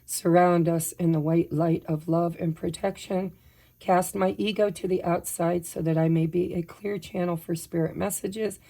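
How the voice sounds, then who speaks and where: A woman with a somewhat low, slightly hoarse voice chats casually through a tarot reading. She shares personal updates and apologizes as she goes, while shuffling her decks. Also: steady tone, moderate pace, warm tone. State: slightly hoarse, recovering from laryngitis. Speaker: tarot reader.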